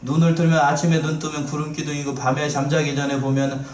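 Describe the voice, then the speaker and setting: A man's voice: fairly high pitch, completely flat delivery, quick pace, a little mellow, slight background noise. A male pastor preaching a sermon, asking the congregation rhetorical questions and repeating his key phrases in a conversational way. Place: church sanctuary. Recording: echoey church from a distance.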